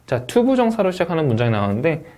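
A man teaching a test-prep review lecture, talking in an emphatic, upbeat way and often punctuating points with quick interjections. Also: a little high. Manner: lively, emphatic teaching with frequent "자" and "오케이".

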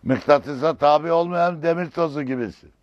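A man's voice: on the high side, moderate pace, no room sound. A man giving a religious lecture in an emphatic, rising and falling way, using learned, old-fashioned vocabulary. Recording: dull lo-fi recording.

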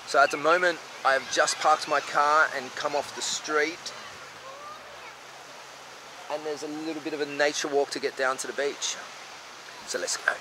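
A man's voice: a little high, moderate pace, pauses often. Chatty man vlogging outdoors, noisy. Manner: relaxed, chatty, candid. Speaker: travel vlogger. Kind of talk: casual walking tour vlog. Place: outdoors on a coastal bush path and beach. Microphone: camera held at arm's length. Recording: outdoor noise behind voice.

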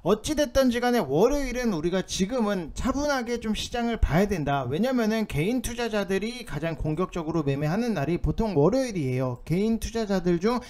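A man's voice: high-pitched, expressive, fairly quick, few pauses, darkish tone. A man hosting an informal stock market commentary, explaining things in an insistent, somewhat urgent way. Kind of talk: informal market commentary over on-screen notes.

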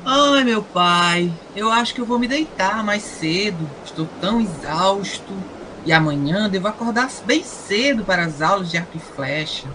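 A woman's voice: medium pitch, animated, moderate pace, noisy background, lightly acted. A Brazilian woman playing a cheeky, evasive teenage son in an audio drama, with exaggerated innocence. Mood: feigned tiredness.

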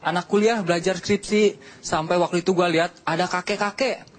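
A man's voice: high-pitched, fairly even intonation, brisk. A young man performing a stand-up comedy set on a TV studio stage, telling punchy stories in casual slang. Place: TV studio stage with live audience. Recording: loud audience laughter and noise.

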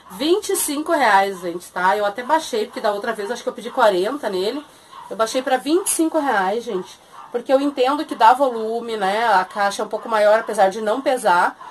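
A woman in her thirties with a southern Brazilian Portuguese accent shows off secondhand clothes and their prices in a small thrift shop for a casual sales video. Her voice is mid-range, with slight background noise. Chatty throughout, she keeps calling her viewers "gente".

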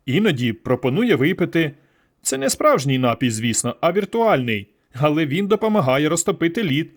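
Man doing a teasing alien seductress, pitched well up, playful and coy. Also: breathy edge. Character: flirty alien woman intruder in a mind.

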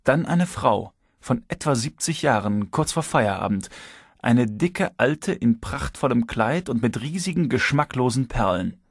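Male audiobook narrator, even first-person read, mid-pitched, close and dry. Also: unhurried, husky, no room sound.

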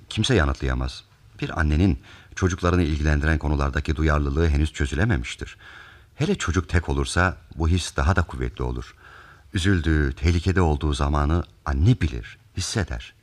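An actor playing a calm, methodical detective who explains a case deliberately in a radio theatre mystery. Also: male voice, a bass voice.

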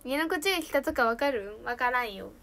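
A bubbly teenage girl with a lilt, chatting on a live stream and reading out viewer comments. Her voice sits very high, and she giggles often between lines. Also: expressive, fast talker, a bit bright. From Japan. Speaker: idol trainee streamer. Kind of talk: casual live stream chat.

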